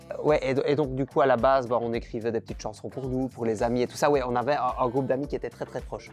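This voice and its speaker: Music plays in the background as a man speaks very fast at medium pitch, his intonation fairly even. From Liège, Belgium. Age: 20s. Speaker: comedian and singer. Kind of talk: interview answer.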